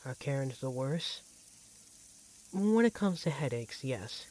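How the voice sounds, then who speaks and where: Casting: performer as a loving, playful vampire partner, mid-pitched, conversational ASMR roleplay, frying noise behind. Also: expressive, takes it slowly, a little mellow. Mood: weary venting. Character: affectionate teasing vampire partner working as a barista. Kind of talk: ASMR audio roleplay, one-sided domestic dialogue. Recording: clear background noise, sizzling frying pan.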